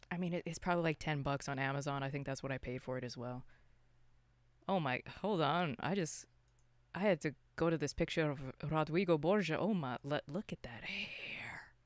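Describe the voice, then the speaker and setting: Podcast co-host, smooth clear voice, close dry sound, mid-range pitch, loose rambling film chat. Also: moderate pace, no room sound. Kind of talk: casual unscripted film discussion.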